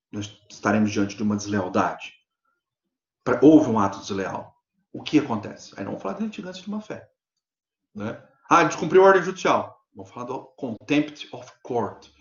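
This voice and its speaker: A man with a Brazilian Portuguese accent, a law professor giving a live online lecture, explaining points and checking in with frequent "né?". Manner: explanatory, peppered with "né?" and "tá?" check-ins; animated pitch swings for emphasis. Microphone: computer mic on a video lecture platform. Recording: echoey, dull lo-fi online class audio.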